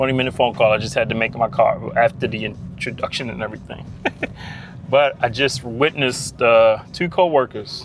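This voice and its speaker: A man's medium-pitched voice with ordinary pitch variation, set against noticeable background noise. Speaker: physical therapist assistant. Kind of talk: casual talk to camera. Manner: casual, conversational.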